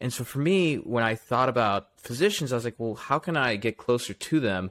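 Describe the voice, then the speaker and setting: A man with an ordinary speaking voice, medium pitch and lively intonation at a fairly quick pace, on a very clean recording with a silent background. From Texas. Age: 30s. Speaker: podcast host. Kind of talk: casual interview.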